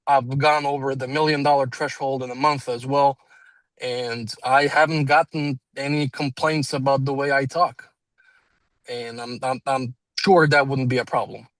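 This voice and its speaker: A man's voice: medium pitch, fairly even intonation, moderate pace, fairly bright tone, no room sound, poor audio. A man in his twenties with a non-native English accent, telling a story in a rambling, self-deprecating way with fillers and laughs. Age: 20s. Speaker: salesman and business owner. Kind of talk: casual conversation, storytelling. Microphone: video call.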